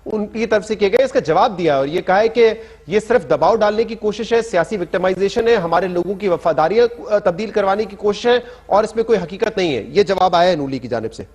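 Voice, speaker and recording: High-voiced reporter, husky tone. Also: male voice, expressive, brisk, few pauses, a little mellow. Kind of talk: relaying a reply and asking questions.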